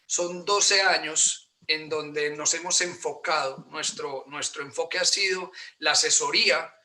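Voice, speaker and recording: Colombian man, Antioquian accent, forties, webinar host, bright tone, slightly high voice, polite, frequent fillers, video call. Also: fairly even intonation, measured pace. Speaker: host and real estate broker. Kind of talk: online webinar presentation.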